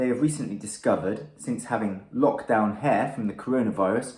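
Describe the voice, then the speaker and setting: This is a man with a West Country accent. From England, Somerset. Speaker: amateur runner reviewing gear. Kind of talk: product review video. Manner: casual, with fillers.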